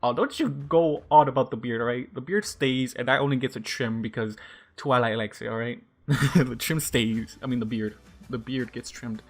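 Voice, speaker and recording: A man's voice: mid-range voice, moderate pace. A man reading fan fiction aloud with casual asides, informal and sometimes stumbling over his words. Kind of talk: story narration with casual asides.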